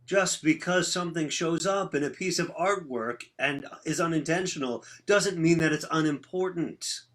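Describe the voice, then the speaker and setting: A man's voice: fairly high pitch, normal speed, a bit bright, natural voice. A man playing an earnest, bookish rock musician who explains ideas in a conversational play reading. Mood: matter-of-fact. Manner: explanatory, intellectual. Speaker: actor in a staged reading.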